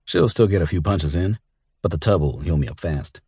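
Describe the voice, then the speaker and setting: A man voicing a hard-bitten male bounty hunter who talks in a cool, dry, resigned way, with a husky voice. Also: low voice, lively intonation, moderate pace, darkish tone, dry recording, heavily acted. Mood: weary.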